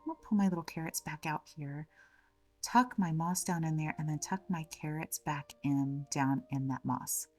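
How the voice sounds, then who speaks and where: A woman's voice: low-pitched, normal speed, distant mic, faint music behind. Slightly scratchy-voiced woman crafter. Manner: gentle, chatty, fond of the word little. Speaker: craft channel host. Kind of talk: step-by-step craft tutorial narration.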